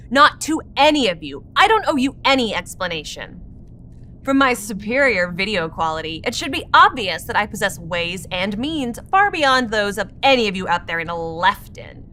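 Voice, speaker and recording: A woman's voice: a little high, sharp tone, slight background noise. A woman playing a haughty, wealthy villainess who talks with condescending, menacing politeness in a comedy drama. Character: haughty, imperious wealthy villainess flaunting superior technology.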